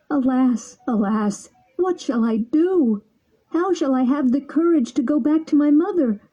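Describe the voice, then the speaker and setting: A woman voicing an impulsive, rude wooden puppet boy who pleads in a high, tearful voice. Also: mellow, lo-fi sound.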